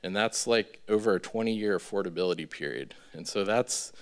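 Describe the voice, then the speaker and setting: A man in his thirties giving an informal presentation as a developer, in a halting, hesitant way with many ums. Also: fairly low pitch. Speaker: real estate developer presenting a project. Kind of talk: informal public presentation with slides. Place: large indoor meeting room with seated audience. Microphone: podium gooseneck microphone.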